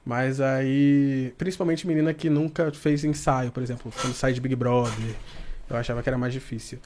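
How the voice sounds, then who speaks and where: A man in casual podcast chat about his photo shoots who often breaks into high laughter. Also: fairly even intonation, normal speed, darkish tone, a little hiss or hum. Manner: laughs often, giggling high when amused. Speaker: photographer for a men's magazine.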